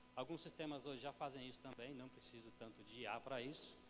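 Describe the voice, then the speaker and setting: This man talks fairly quickly at a medium pitch, in a flat, monotone way. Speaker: university professor on a panel. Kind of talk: panel presentation. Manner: soft-spoken.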